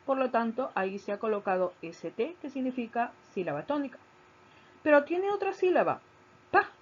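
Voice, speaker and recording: A woman teacher giving a recorded grammar lesson, explaining slowly, stressing key syllables and repeating her points. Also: a little high, big pitch swings, husky. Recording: dull lo-fi recording.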